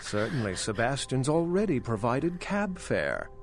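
A man's voice: medium pitch, sing-song, unhurried, slight background noise. An actor playing a scholarly vampire in a video game, an articulate, formal man with a dry, wry manner. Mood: cautioning, wry. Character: urbane, scholarly male vampire archaeologist, dry and knowing. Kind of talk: video game dialogue acting.

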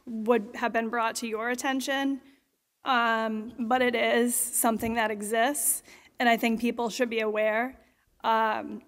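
A woman resident speaking at a podium during public comment at a town meeting, measured and hesitant, with many fillers. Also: fairly high pitch, fairly bright tone. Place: large school auditorium. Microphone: podium microphone. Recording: long hall reverb.

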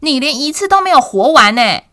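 A woman acts out a proud male stray cat in a picture book for small children. The voice is high and bright, swinging boldly as it brags. It is emphatic and showy, made for young listeners. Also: very animated, brisk, dry recording, studio quality, heavily acted. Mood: boastful.

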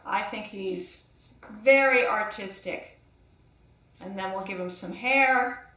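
A woman's voice: medium pitch, slow pace, pushed and bright. A middle-aged woman talking casually to children, encouraging them and musing aloud as she teaches and asks questions. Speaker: children's author and illustrator giving a drawing lesson. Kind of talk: casual instructional talk to children. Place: small indoor room with echo. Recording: echoey room sound.

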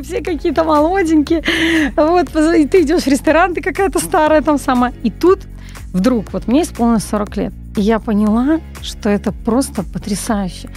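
A woman in her forties, a copywriter guest on a radio talk show, telling stories in an animated way with frequent hesitations, speaking into a studio microphone. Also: fairly high pitch. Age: 40s. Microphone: large studio mic on boom arm, wearing headphones.

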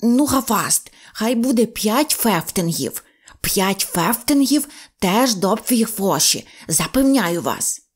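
A woman's voice: mid-range voice, animated, moderate pace, lightly acted. Woman voicing a lisping stingy old miser. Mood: haggling. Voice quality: lisping, says f instead of r. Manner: whining and grumbling, haggling. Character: stingy rich old male shorty, whiny and stubborn.

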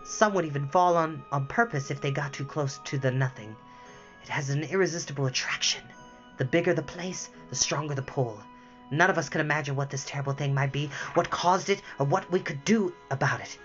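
A storybook reader voicing a frightened, fluttering will-o'-the-wisp spirit who rushes anxiously through his words. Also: medium pitch, fairly bright tone, highs cut off, faint music behind, lightly acted. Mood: worried explaining. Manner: anxious, breathless, rushing.

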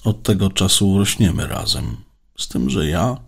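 Earnest caretaker robot, polite and modest, low and gravelly, read by a man. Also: expressive, a little slow, heavily acted. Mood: gentle. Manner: polite, conscientious.

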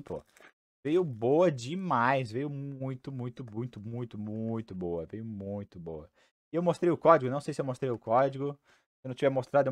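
A young man from Brazil hosting a card-opening video at home, talking casually through a headset while his voice is going hoarse. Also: medium pitch, no room sound, studio quality. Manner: chatty, excitable, repeats himself. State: losing his voice. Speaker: card-opening channel host. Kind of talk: casual unboxing chat. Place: small room at home, indoors.

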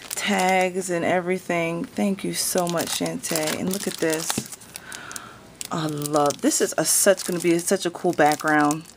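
A woman chatting casually to her viewers as she unwraps craft gifts, gushing with thanks and dropping to a soft whisper when something delights her. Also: on the low side, gravelly, background noise. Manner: gushing, repeats thanks and exclamations. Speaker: craft vlogger opening gifts. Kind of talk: casual unboxing chat to camera. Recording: loud paper crinkling and rustling.

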